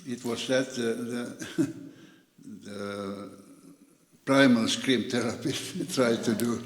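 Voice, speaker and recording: Male panelist, unhurried, musing, voice ringing in a big hall. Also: medium pitch, steady tone. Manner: slow, musing, trailing off quietly. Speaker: panel speaker. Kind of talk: panel discussion. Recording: echoey hall.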